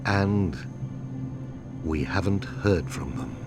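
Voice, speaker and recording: An actor playing a stern, world-weary intelligence chief in a game cutscene, speaking in a terse, blunt, assured way. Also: male voice, sits low, lively intonation, slow, vocal fry, over music, full character voice. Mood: terse, grim. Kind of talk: video game cutscene acting.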